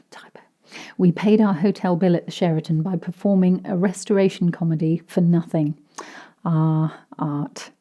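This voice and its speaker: A woman reads a memoir aloud in a gentle, soothing way. Her voice is very dark and mellow and sits fairly low. Now and then she drops into a soft whisper. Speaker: reader.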